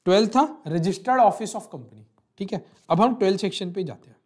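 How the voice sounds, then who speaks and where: A man's voice: high voice, lively intonation, moderate pace, a little mellow. A man teaching law in an online lecture, walking through a statute on screen, mixing in English terms and checking in with "okay" often. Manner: mutters while scrolling to find a page. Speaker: law teacher for accountancy students.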